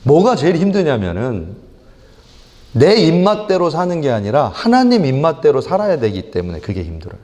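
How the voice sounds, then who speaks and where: Animated preaching man in a reverberant church. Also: on the high side, moderate pace. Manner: animated, acts out prayers and God's rebukes in lively voices. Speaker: pastor. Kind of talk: sermon. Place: church sanctuary. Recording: long church hall reverb.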